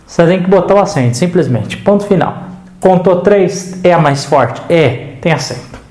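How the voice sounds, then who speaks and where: A man's voice: sits high, lively intonation, moderate pace, a little mellow, echoey room. A man with a Brazilian Portuguese accent teaching an online grammar lesson, chatty and checking in often with the viewer.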